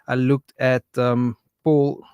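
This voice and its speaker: Relaxed, reflective man radio co-host. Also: medium pitch, slow pace, clean tone, no room sound, studio quality. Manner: relaxed, reflective, many fillers, says "man". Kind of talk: casual studio radio chat. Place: radio studio.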